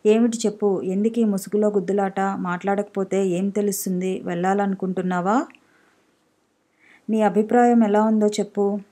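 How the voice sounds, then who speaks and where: A woman's voice: medium pitch, flat delivery, moderate pace, natural voice. Woman voicing a hot-tempered scornful brother. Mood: angry. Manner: shouting, scornful insults. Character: angry protective older brother, young man, hot-tempered.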